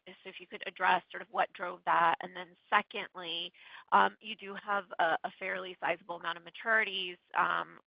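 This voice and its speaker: Very creaky woman on a call. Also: fairly low pitch, no room sound. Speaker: financial analyst asking questions. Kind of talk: polite, hedged earnings call questions. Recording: muffled phone call audio.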